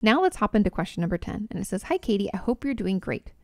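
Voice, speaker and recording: A woman therapist hosting an advice podcast, answering listener questions in a measured, reassuring way with loose, run-on explanations. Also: medium pitch, very animated, no room sound, clean studio sound.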